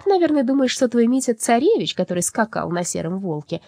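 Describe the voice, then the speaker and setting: A woman's voice: fairly high pitch, sing-song, quick pace, darkish tone, no room sound, studio quality, voice pushed up. A woman reading an audiobook voices a scheming old female black soul who speaks in a falsely sweet, sly way. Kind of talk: storybook character voice.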